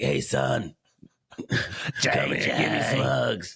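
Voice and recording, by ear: A put-on character voice, raspy with a very deep, low pitch. It moves at a very slow pace.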